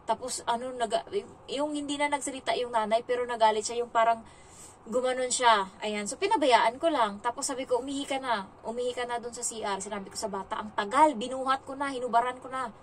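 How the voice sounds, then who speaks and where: A woman's voice: on the high side, fast talker, distant mic, slight background noise, poor audio. A young woman from the Philippines, a domestic helper, chatting casually in a vlog and retelling her day with lots of fillers.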